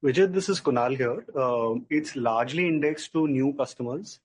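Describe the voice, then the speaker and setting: A man's voice: medium pitch, normal speed, breathy edge. A man giving an answer on an earnings call as a company executive.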